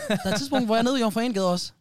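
A man hosting a casual podcast, telling a story with lots of restarts and like "bro", in phrases. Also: very high-pitched. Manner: animated storyteller, many restarts, slang like "bro" and "wallah". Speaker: podcast host.

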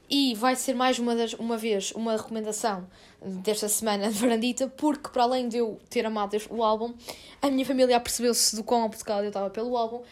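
A twenty-year-old woman hosts a chatty solo podcast. Her voice sits on the high side and she talks very quickly. Her speech is loose and informal, full of youthful slang. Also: a little mellow. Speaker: podcast host. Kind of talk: casual solo podcast chat.

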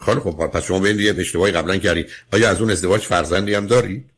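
A man's voice: low voice, fairly even intonation, fairly bright tone, slightly rough. A man hosting a radio call-in advice show, firmly lecturing and questioning a caller. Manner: firm, lecturing, interrupts with questions.

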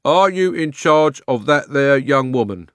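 A man's voice: mid-range voice, animated, measured pace, no room sound, voice pushed up, natural voice. Storybook constable, played by a male reader: London accent, pompously official, firm, dry close sound. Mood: stern, officious. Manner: stern, ponderous, official. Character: stern, officious London policeman.

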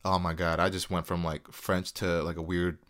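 A man's voice: deep voice, flat delivery, normal speed, a bit bright. A man from the United States hosting a casual solo podcast, rambling and swearing freely. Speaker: podcast host.

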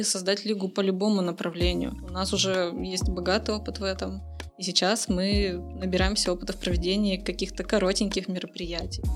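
A woman answering interview questions as a guest, an esports community manager. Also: medium pitch. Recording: music under the talk. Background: music.

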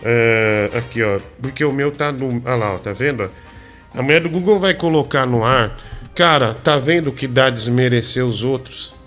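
A man's voice: medium pitch, normal speed, fairly bright tone, faint music behind. A man hosting a comedy radio show, needling and teasing his co-host.

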